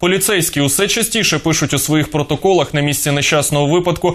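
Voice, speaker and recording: In a quiet setting, the man talks fairly quickly, his pitch varying in an ordinary way. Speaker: TV news anchor. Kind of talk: news reading. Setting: studio. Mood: serious, measured. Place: studio.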